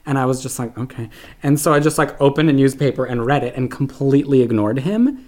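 Young man, from Canada, casual chat, filler-heavy storytelling, mid-pitched voice. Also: fast talker, darkish tone. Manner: chatty storyteller, constant "like". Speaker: podcast guest.

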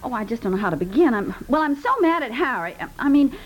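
A woman playing a flustered, apologetic, dithering neighbour with halting, repetitive speech in 1950s radio comedy. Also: fairly high pitch, animated, close to an everyday voice. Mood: flustered, embarrassed. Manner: halting, stammering, breathlessly repetitive. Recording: noisy vintage 1950s radio recording.

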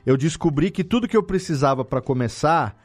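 A man's voice: on the high side, lively intonation, a little fast. A Brazilian man hosting a podcast in casual conversation, informal and slangy, swearing lightly. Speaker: podcast host. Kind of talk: casual chat.

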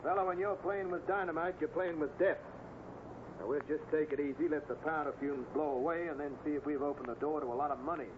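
A man playing a rough, cagey, greedy cattle-rustler boss in an old radio Western. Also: fairly high pitch, fast talker, close to an everyday voice. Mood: cautious, commanding. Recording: noisy, tinny old radio recording.

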